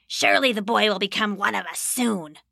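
A woman's voice: mid-range voice, a little fast, vocal fry, pushed and bright, no room sound, clean studio sound. A woman voicing small, greedy male goblins who plot among themselves in a storybook reading. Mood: scheming.

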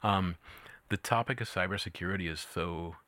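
A male host with a very low pitch and a bright, forceful tone chats easily with his guest, looping through fillers and restarts. The sound is close and dry. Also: normal speed, no echo. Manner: friendly, chatty, with many fillers and restarts. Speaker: podcast host. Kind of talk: casual interview conversation.

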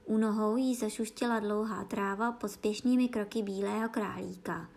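A woman narrating a classic children's story, reading aloud calmly and expressively. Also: medium pitch, gravelly.

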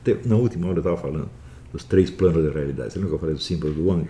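A man's voice: rumbling low, racing, dark tone, a little hiss or hum. A man lecturing his students in an emphatic, scolding way, often adding tag questions. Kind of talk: philosophy lecture.

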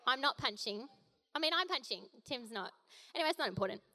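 A woman's voice: a little high, expressive, quick pace, sharp tone. A young woman giving a casual, jokey sermon as a guest preacher, with playful asides.

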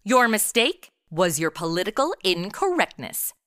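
Brash American twenty-something girl detective voiced by a woman, bright and dry-miked, theatrical, comedic audio drama. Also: medium pitch, sing-song, unhurried, no room sound. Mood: smug. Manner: sassy, slangy, theatrical.

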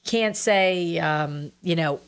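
Slow chatty woman cohost, lowish voice. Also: clean tone. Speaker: real estate show co-host. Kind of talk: casual chat.

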